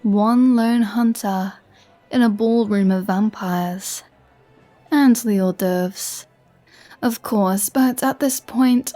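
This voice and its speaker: A woman's voice: mid-range voice, warm tone, natural voice. A woman playing a flirty, teasing vampire with a sarcastic, playfully threatening manner in a roleplay audio drama. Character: flirty, teasing, menacing female vampire toying with a hunter.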